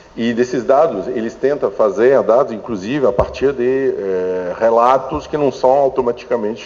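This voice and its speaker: The man's pitch shows ordinary variation as he talks at a moderate speed through noticeable background noise. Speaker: economics professor. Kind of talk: academic panel talk. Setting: lecture hall panel with audience. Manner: halting, many fillers and repetitions.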